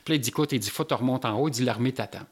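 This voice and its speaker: A man with a Québécois French accent, telling a personal story in an animated way with local slang. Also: medium pitch, very fast, slightly rough.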